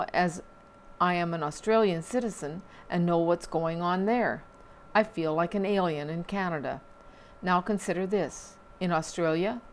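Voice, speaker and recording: A woman reading local newspaper items aloud at a measured pace, with small slips and dry asides. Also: on the low side, slight background noise.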